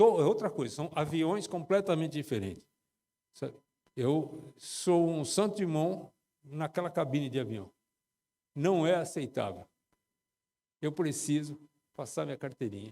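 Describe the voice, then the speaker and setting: A man speaks in a fairly high voice with vocal fry and lively intonation. His pace is fairly slow, with long, frequent pauses. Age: 70s. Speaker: anesthesiology professor. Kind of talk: panel talk. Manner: animated.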